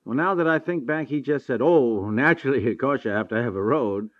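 A man performs an American husband from a 1950s radio comedy. He is excitable and quick to take offense, blustering and tripping over his words. The sound is dull and lo-fi, like an old broadcast. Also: mid-range voice, no room sound, natural voice. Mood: sheepish explaining. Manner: blustering, stammering. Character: excitable, grumbling husband, easily indignant, adult man.

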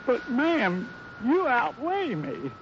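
An actor playing a flustered, gullible cowboy bachelor with a rural Western American accent, stammering in folksy 1950s comic radio style. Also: male voice, very high-pitched, wildly swooping pitch, takes it slowly, exaggerated voice. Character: bumbling, flustered cowboy bachelor, gullible tall-tale teller. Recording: dull, slightly noisy 1950s radio recording.

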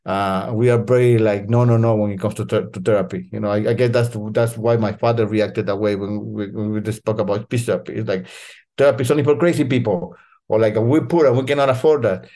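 A man's voice: on the low side, steady tone, fast, dark tone. A man, talking in a casual, earnest way and often repeating words as he searches for them. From Latin America. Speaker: storyteller guest. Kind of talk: casual conversation.

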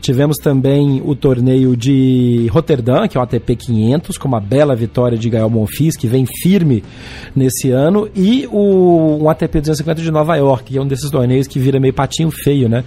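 A Brazilian man hosting a casual sports podcast, his voice hoarse, honking and cracking now and then from a sore throat. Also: mid-range voice, normal speed, warm tone, slight background noise. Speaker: podcast host. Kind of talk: casual sports podcast talk about tennis.

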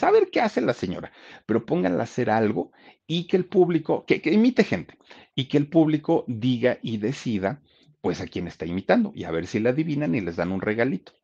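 A man voicing a bossy radio station owner giving brisk, offhand orders. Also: medium pitch, creaky, darkish tone, breathy edge, voice pushed up, full character voice. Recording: dull lo-fi sound.

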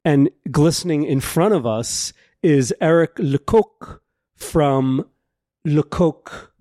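A man's voice: on the high side, slow pace, dark tone, no room sound. Male co-host, enthusiastic, chatty, dry close sound. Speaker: podcast co-host. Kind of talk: conversational interview hosting. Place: venue on a city pier.

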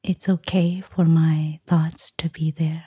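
A woman speaking in a soft, breathy near-whisper, calmly and soothingly guiding a meditation. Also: deep voice, no room sound, studio quality. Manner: calm, slow, soothing. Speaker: Buddhist nun, meditation guide. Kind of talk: soft-spoken guided meditation.

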